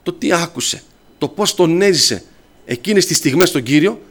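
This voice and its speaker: A man's voice: on the high side, animated, fairly bright tone. A man preaching a sermon, telling stories and addressing his listeners as brothers.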